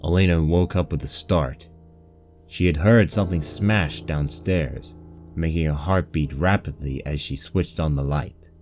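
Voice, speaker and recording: A man's voice: very deep voice, a little slow. A man reading a fan fiction story aloud as scripted narration. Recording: poor-quality mic with music bed.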